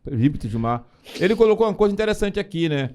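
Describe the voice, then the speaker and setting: A man's voice: a little high, sing-song, quick pace, darkish tone. A man on a podcast speaking emphatically about faith, often addressing listeners directly. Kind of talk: casual preaching talk.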